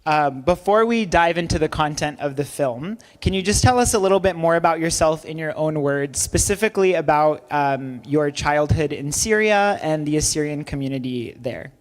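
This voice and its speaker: A man's voice: on the high side, moderate pace, few pauses. A man hosting an event, reading a formal introduction and then interviewing the guest.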